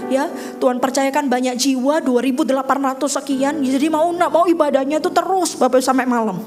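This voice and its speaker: A woman pastor, telling a story in an animated sermon and often calling out to the congregation. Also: high-pitched, fast talker, faint music behind.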